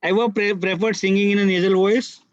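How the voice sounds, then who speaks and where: A man's voice: sits high, flat delivery, brisk, dry recording. A man asking short interview questions, sometimes stumbling over his words. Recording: dull, dry lo-fi audio.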